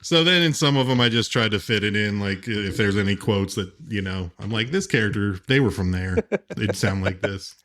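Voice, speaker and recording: A man's voice: fairly low pitch, moderate pace, fairly bright tone. A man hosting a podcast, chatty and laughing often in casual conversation. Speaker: podcast host.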